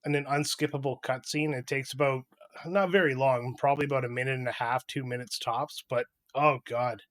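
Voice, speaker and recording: A man's voice: medium pitch, steady tone, a little fast. A man co-hosting a podcast, casually reviewing video games with blunt, informal complaints. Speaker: podcast co-host.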